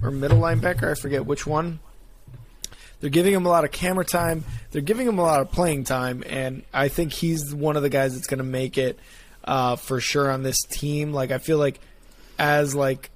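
Casual, fast-rambling male podcast co-host. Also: on the high side, slight background noise. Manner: loose, rambling, swears freely. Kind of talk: casual sports podcast chat.

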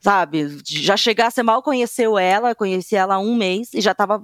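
A woman's voice: mid-range voice, brisk, dry recording, studio quality. A Brazilian woman co-hosting a casual chat, telling stories and acting out quoted messages. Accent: Brazilian Portuguese. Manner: animated storyteller who acts out quoted texts. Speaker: podcast co-host.

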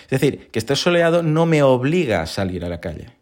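Male podcast host, animated, pitch swings widely, slightly hoarse, talks straight to listeners. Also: a little fast. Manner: lively, animated explaining with rhetorical questions. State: recovering from hoarseness. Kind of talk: casual explanatory monologue.

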